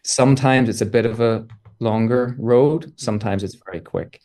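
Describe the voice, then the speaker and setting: A man talking as a guest physicist in an interview, explaining in a thoughtful, measured way. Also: medium pitch, mellow. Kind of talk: casual interview talk.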